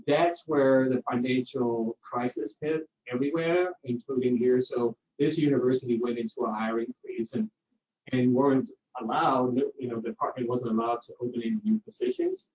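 A man's voice: medium pitch, moderate pace, a little mellow, a little hiss or hum. A middle-aged Danish-accented man, a parasitology researcher, telling a chatty story with lots of fillers and acted-out dialogue. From Denmark. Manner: chatty, acts out quoted dialogue, frequent fillers. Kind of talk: relaxed anecdotal storytelling. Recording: roomy distant muffled audio with faint ambience.

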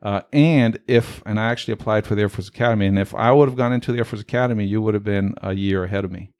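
Male podcast host in his forties, native Spanish speaker, lower voice, hesitant and repetitive questioner. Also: darkish tone, no echo. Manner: halting, repetitive questions full of fillers. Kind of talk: casual podcast interview.

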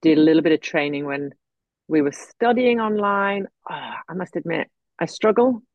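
A woman's voice: sits low, animated, moderate pace, no room sound, muffled recording. A middle-aged woman from North Yorkshire with a general English accent, chatting as a guest art therapist in a self-deprecating way. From North Yorkshire, England. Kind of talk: casual chat. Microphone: video call.

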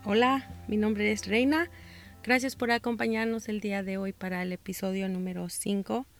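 A Mexican-American woman from Texas hosting a Christian parenting podcast, speaking in a calm, measured way and reading scripture slowly. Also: mid-range voice, soft background music. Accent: Mexican-American Spanish, northern border and South Texas. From United States (Texas). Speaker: podcast host.

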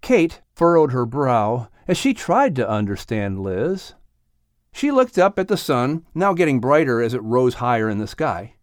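A man's voice: mid-range voice, big pitch swings, measured pace, no room sound, studio quality. A man reading scripted narration for a children's audiobook story.

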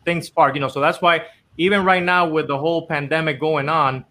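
A man from the Dominican Republic tells how his company began, earnest and rambling, with plenty of "you know"s. His voice is bright and forceful and sits a little high. He talks in the easy way of a guest in a casual interview. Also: steady tone, a little fast. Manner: earnest, rambling with many fillers.

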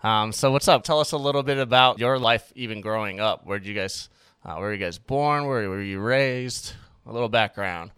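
A man's voice: lowish voice, moderate pace, fairly bright tone, smooth, dry recording. A man hosting a casual interview, asking easygoing, rambling questions with plenty of fillers. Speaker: podcast host.

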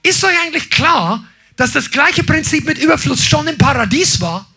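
Guy preaching, high bright voice, kinda husky, gets loud and lively. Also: normal speed. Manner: animated, shouts emphasis, acts out quotes. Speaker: pastor. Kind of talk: sermon.

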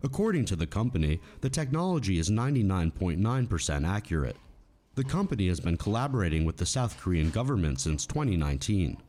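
Man, news reporter, scripted, very deep voice, lively intonation. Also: quick pace. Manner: crisp reporter cadence.

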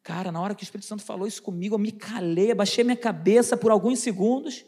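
A woman giving a lively church testimony, telling a story and acting out the dialogue in a dramatic, animated way. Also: medium pitch, racing. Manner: animated storytelling, acts out dialogue, stammering asides. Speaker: lay preacher giving a testimony. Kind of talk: testimony preaching.

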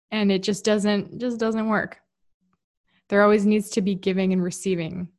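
A woman giving a candid, rambling casual monologue about relationships, often restarting her sentences. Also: fairly low pitch. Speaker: relationship and spirituality talker.

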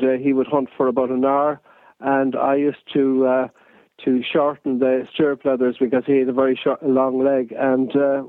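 A man's voice: mid-range voice, no echo. Irishman from the west, narrow-band sound. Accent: west of Ireland. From County Galway, west of Ireland. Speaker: interview guest, photojournalist and fox hunter. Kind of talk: anecdotal radio interview reminiscence.

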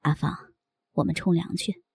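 A woman doing a hushed, gravelly-voiced coaxing man. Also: lowish voice, animated, normal speed, no echo, pitched below the performer's own voice, heavily acted. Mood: soft coaxing. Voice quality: soft, hushed, half-whispered. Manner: tender, wheedling. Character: gentle coaxing adult man, soft-spoken lover.

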